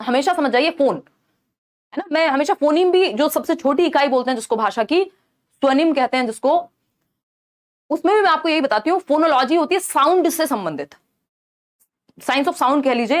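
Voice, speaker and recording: High-voiced woman teaching an exam lesson. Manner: explains by rephrasing and asking rhetorical questions.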